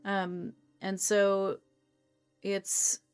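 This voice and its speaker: A woman with a medium-pitched voice explains things casually and thoughtfully, dropping in conversational asides. Faint music plays behind her as she talks. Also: completely flat delivery, very slow, clean tone. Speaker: co-host explaining to an audience.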